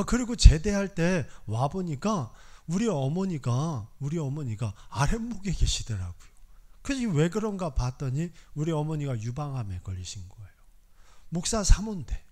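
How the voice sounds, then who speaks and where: Korean pastor preaching with big swings. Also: male voice, a little high. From South Korea. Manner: emotional storytelling, voice swings from quiet to loud. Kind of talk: sermon with personal testimony.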